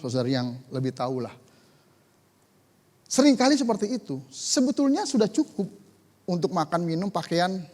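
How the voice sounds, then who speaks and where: A man preaching a sermon as pastor, moving between conversational asides and emphatic declarations. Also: high voice. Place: church sanctuary. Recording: church hall reverb.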